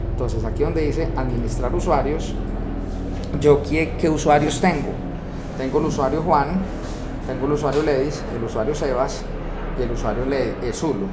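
A man with a Colombian Spanish accent, teaching a software course and walking through a screen-recorded tutorial step by step, often checking in with rhetorical questions. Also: mid-range voice. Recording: echoey room with steady background noise.

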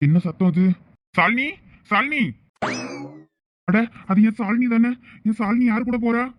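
A man's voice: high-pitched, brisk, lo-fi sound, lightly acted. A man playing a jealous, devoted young husband in a village drama, with emotional delivery. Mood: panicked calling. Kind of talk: village web-series acting.

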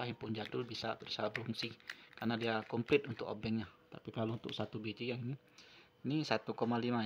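Male tutorial presenter, lowish voice, repetitive hands-on explaining, muffled recording. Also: a bit bright, slight background noise. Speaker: phone repair tutorial presenter. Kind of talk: unscripted hands-on tutorial narration. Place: at a wooden table indoors.

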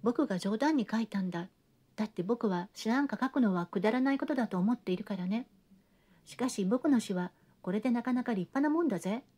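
A woman's voice: fairly high pitch, lively intonation, brisk, dark tone. A woman voicing a sneering young man. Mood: scornful. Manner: mocking, lecturing. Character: scornful young man, arrogant critic. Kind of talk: audiobook reading of a classic novel.

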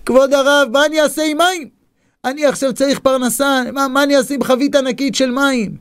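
A man voicing a poor, distraught Jewish man pleading with his rabbi in high, crying tones. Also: level tone, creaky, darkish tone. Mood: desperate.

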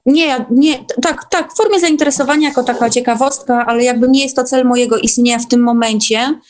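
A woman's voice: high voice, steady tone, a little fast, a little mellow. A woman guest in a casual online discussion, speaking in hesitant bursts with repeated words.

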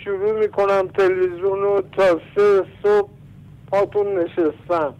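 A man's voice: sits high, steady tone, darkish tone, muffled recording. A young man calling in to a talk show, enthusiastically praising it and mixing in English phrases. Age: young adult. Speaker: caller. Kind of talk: call-in praise.

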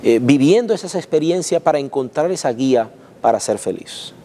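A man's voice: fairly high pitch, lively intonation, dark tone, a little hiss or hum. A man in his thirties interviewing an author, stumbling and repeating words as he praises the book. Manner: halting, repeats words, admiring. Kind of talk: interview questions. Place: dim church sanctuary. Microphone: lapel.

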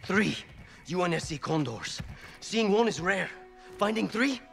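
A frightened, self-doubting man, a pilot in a video game drama. His voice is high and cracks with gravel, slowing down under bitter emotion. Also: animated, a bit bright, faint music behind, heavily acted. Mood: bitter dismay. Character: frightened, despairing male pilot, self-loathing civilian.

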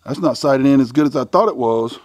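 A middle-aged American man hosts a shooting range video channel, talking casually to viewers in a folksy, exclamatory style outdoors at a covered range. His medium-pitched voice is a little fast and a little mellow. The audio is dull but has no echo.

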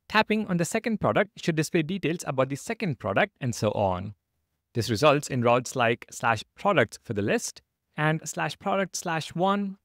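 A man narrating a scripted programming tutorial as an instructor, explaining clearly step by step. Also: medium pitch, no echo, studio quality.

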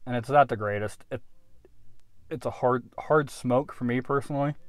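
A man in his thirties giving a casual off-the-cuff product review, halting and unhurried as he thinks aloud, recorded in a car. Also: mid-range voice, no room sound. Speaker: pipe tobacco reviewer. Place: inside a parked car.

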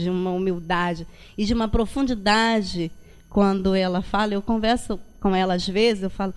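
A woman's voice: mid-range voice, darkish tone. A woman from Rio de giving an informal, reflective religious talk, often adding little checking tags. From Brazil. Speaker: guest lecturer at a Spiritist centre. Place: meeting hall with projection screen.

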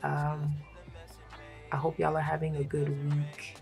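A woman from Brooklyn, hoarse from a cold, chatting casually and laughing often as she talks through her budget. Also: low-pitched, completely flat delivery, unhurried, a little mellow, soft background music. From Brooklyn, New York. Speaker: budgeting vlogger. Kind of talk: casual chat while stuffing cash envelopes.

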